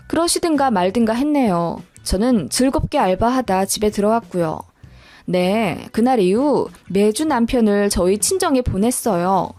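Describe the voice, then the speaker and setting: A young woman telling a first-person story in a calm, wry, matter-of-fact way, as a radio drama narration. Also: fairly high pitch.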